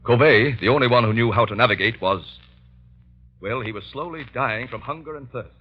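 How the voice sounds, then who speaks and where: A man playing a husky, earnest doctor. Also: medium pitch, fairly quick, natural voice. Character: middle-aged male doctor, ex-convict, earnest. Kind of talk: 1930s radio drama acting. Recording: dull old radio recording.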